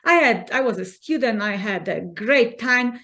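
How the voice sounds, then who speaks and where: A woman's voice: a little high, lively intonation, sharp tone. Polish-accented woman, earnest and encouraging. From Poland. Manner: earnest, encouraging, halting non-native phrasing. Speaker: guest. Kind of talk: conversational interview.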